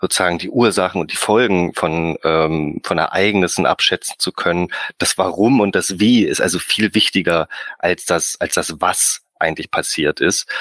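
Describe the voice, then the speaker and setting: A man's very deep, low voice at a moderate pace, with fairly even intonation and a dry, close sound with no echo. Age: 30s. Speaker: university historian. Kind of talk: panel discussion. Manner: halting with many fillers.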